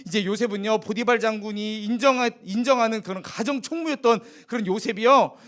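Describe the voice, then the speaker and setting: A man's voice: sits high, fairly quick. A man preaching a children's sermon, telling a Bible story and asking the children questions as he goes. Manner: animated, asks the children questions.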